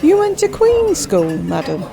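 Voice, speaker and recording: Lady doing a high polite young waitress, eager and sweet, crowd noise behind. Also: huge pitch swings, a little slow, vocal fry, exaggerated voice.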